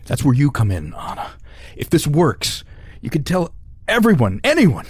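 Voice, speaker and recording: Guy doing joe, earnest self-sacrificing radio drama hero, steady voice. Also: a little high, moderate pace, husky, no room sound, full character voice. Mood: resolute. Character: Joe, grown man, self-sacrificing and resolute. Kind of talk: golden-age style radio drama acting.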